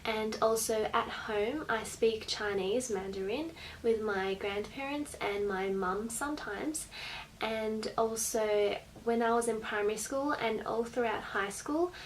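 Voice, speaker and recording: A woman's voice: a little high, a little slow, low-quality recording. A young woman with an Australian accent, explaining things casually to camera as a vlogger in a bedroom. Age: late teens to young adult. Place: small bedroom indoors. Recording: faint background room noise.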